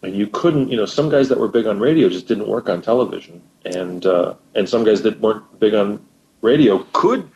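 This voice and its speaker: A man's voice: lowish voice, animated, normal speed, a little mellow, lo-fi sound. A man speaking as a guest co-host in a casual chat. He explains at length and often stammers and repeats words.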